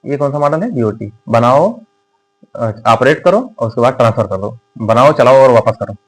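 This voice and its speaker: A man's voice: mid-range voice, animated, rough recording. Man teaching a casual classroom lecture. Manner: conversational, asks rhetorical questions, dictates slowly.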